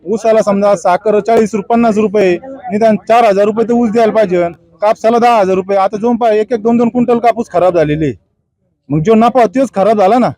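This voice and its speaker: A villager being interviewed on the street, complaining earnestly in a halting way. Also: male voice, high-pitched, mellow, no room sound.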